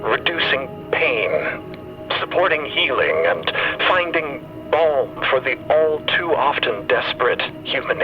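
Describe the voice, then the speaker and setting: A man playing a gentle, grieving machine crewmate in an audio drama, speaking haltingly in solemn, formal eulogy. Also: medium pitch, dull audio. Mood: solemn tribute.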